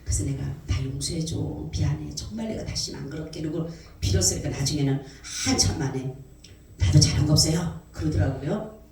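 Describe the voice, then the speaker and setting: A woman's voice: low voice, brisk, slight background noise. A woman pastor telling a personal testimony in a sermon, acting out what people said. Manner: animated storytelling, acting out quoted voices. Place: church sanctuary. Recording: echoey church hall mic from a distance.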